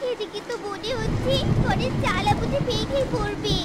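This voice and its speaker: A woman's voice: extremely high pitch, normal speed, distant mic, heavy background noise. A woman voicing a poor, anxious fox mother in a cartoon, wailing and pleading. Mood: worried. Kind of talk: cartoon voice acting. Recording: music bed behind voice.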